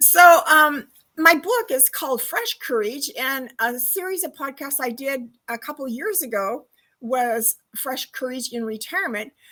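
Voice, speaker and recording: A woman with a high pitch uses a raised, projected voice with a bright, sharp tone, lively intonation and a fairly slow pace. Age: 70s. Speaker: retirement coach. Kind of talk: podcast interview.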